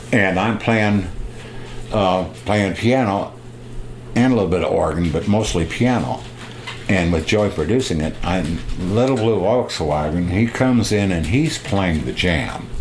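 With noticeable background noise and audible room echo, a man with a fairly low voice talks at a fairly slow pace, using lively intonation and long, frequent pauses. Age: 70s. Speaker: Hammond organ player. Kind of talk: casual interview chat. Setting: at his home.

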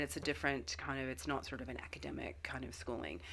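This is a woman's voice. She speaks with a Canadian accent. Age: 40s. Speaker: graduate student in history. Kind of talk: interview.

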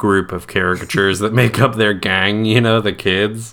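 A man speaks at fairly low pitch and a moderate pace, with a bright, sharp tone. The recording is very clean, with a silent background. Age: 20s. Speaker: podcast co-host. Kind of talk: casual chat.

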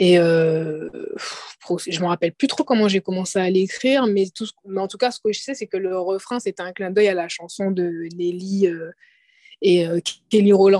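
A woman speaks in a dark, mellow tone at a medium pitch, with ordinary pitch variation and big swings in loudness. Her pace is fairly slow, with long, frequent pauses, in a dry, close sound with no echo. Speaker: singer. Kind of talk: interview. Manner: casual.

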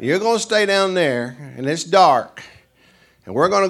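A man with a strong Tennessee accent, animated in tone, at a fairly quick pace with very wide pitch swings. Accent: Southern US, Tennessee, strong. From Tennessee, US. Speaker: preacher. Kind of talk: sermon. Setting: church with audience. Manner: animated, humorous.

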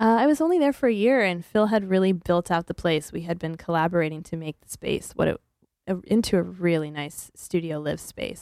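With an American accent and a normal speaking voice, a woman talks at a fairly quick pace and a fairly low pitch in a dry, close sound with no echo. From rural northeastern Pennsylvania (Montrose). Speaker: artist and curator. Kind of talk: casual interview on local radio.

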